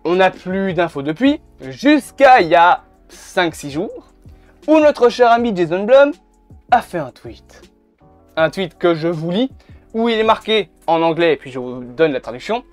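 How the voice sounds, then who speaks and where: Here the man's high voice has a sing-song quality and a measured pace. He's a YouTuber giving blunt, casual commentary to camera with the odd swear word, picked up by the camera mic over faint music.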